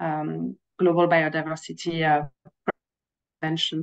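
A woman speaks fairly slowly over a quiet background. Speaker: resilience specialist presenter. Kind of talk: presentation. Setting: video call webinar. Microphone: video call.

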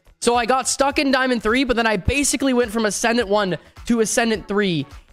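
A man with a high pitch speaks at a moderate pace with lively intonation and an energetic tone. Faint music plays in the background. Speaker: streamer doing a ranked speedrun. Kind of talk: casual stream commentary. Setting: good streaming microphone. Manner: energetic, hyped commentary. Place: home room. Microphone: studio mic.

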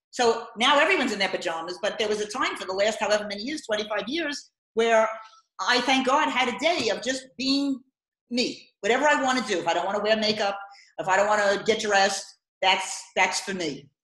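Lively intonation at a fairly quick pace, with audible room echo and a quiet background. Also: woman, fairly high pitch for a woman. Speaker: tax attorney. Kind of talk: interview. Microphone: video call.

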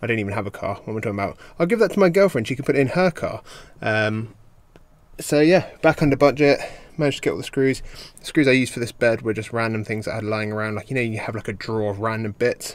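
The sound is dry, with no echo. A man talks at a very fast pace. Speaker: van conversion vlogger. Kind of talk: casual vlog chat. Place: car. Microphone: phone near.

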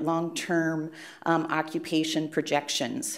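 This woman has a normal speaking voice, pitched fairly low. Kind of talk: conference presentation. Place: hall.

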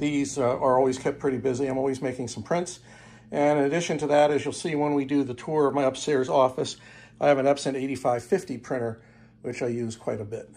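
Speaking very fast, a man keeps his intonation fairly even. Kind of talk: casual tour narration. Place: home room.

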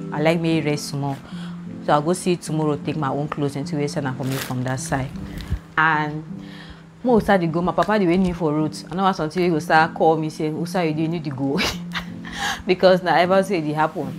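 A woman at a very deep, low pitch with ordinary pitch variation and a fairly quick pace, long, frequent pauses, and music in the background. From Cameroon. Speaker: vlogger. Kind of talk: casual talk to camera. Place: home room. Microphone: lapel.

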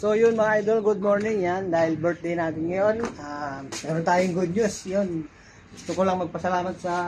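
The pitch of this man's voice is high. His intonation is fairly even throughout. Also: moderate pace. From Philippines, Tarlac. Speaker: vlogger. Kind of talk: casual vlog address to viewers. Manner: halting.

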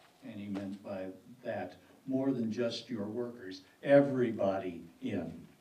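Amid audible room echo, a man talks at a fairly slow pace with ordinary pitch variation and big swings in loudness. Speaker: operating room nurse; trainer. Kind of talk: workshop discussion. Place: classroom.

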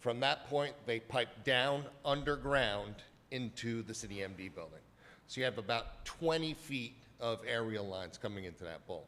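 A loud man with a bright, sharp tone, medium pitch, ordinary pitch variation and a moderate pace. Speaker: property owner applicant. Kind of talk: public meeting testimony. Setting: town planning board meeting.

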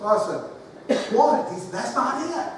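Strong room echo fills the recording, along with light background noise. The speech moves at a moderate pace. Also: man. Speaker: pastor. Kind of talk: church announcements. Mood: friendly, joking. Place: church.

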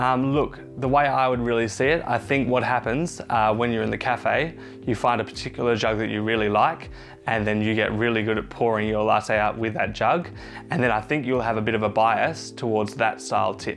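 Faint music sits in the background while a man talks at a fairly quick pace with ordinary pitch variation. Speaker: coffee channel host. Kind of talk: casual vlog chat. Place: home room. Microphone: lapel.

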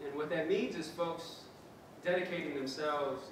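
There is audible room echo and noticeable background noise. A man with a fairly high pitch talks at a moderate pace. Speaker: event host and injury prevention researcher. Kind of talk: event hosting. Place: hall.

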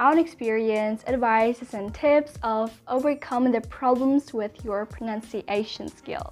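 Faint music plays behind a woman with a high voice. She speaks at a fairly slow pace with ordinary pitch variation. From Kazakhstan. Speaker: English teacher YouTuber. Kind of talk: casual talk to camera. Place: home room. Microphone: phone near.

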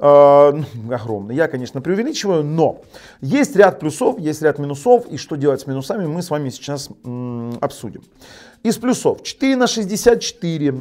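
Taking a fairly slow pace, a man talks while his pitch rises and falls very widely. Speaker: tech reviewer. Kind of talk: product review talk. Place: studio.

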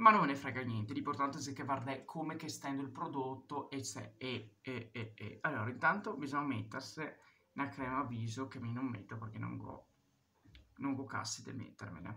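Spoken in a Venetian accent at a moderate pace, the voice has vocal fry, ordinary pitch variation, and big swings in loudness. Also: man. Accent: Venetian (Vicentino) Italian. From Italy, Veneto (Vicenza area); Veneto, Italy. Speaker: YouTuber, makeup vlogger. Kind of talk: makeup tutorial in dialect. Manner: casual, chatty. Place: home room. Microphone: phone near.

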